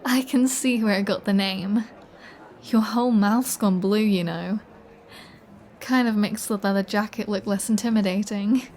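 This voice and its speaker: A woman acting as a flirty vampire who takes her time with every line. She is teasing and dryly sardonic, with a bossy streak, at a middling feminine pitch. The style is close, intimate ASMR roleplay drama. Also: steady tone, measured pace, pauses often, a little mellow, lightly acted. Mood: playful, flirty. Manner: playful, teasing, dry, bossy.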